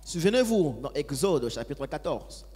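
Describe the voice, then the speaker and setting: A man's voice: a little high, sing-song, normal speed, darkish tone, breathy edge. A man interpreting a sermon phrase by phrase, following each line closely with occasional hesitations. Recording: echoey hall.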